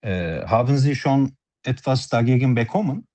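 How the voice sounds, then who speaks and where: Man, mellow voice, doctor asking questions, formal, polite. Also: medium pitch, expressive, moderate pace. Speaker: doctor taking a patient history. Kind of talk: role-played doctor-patient practice talk.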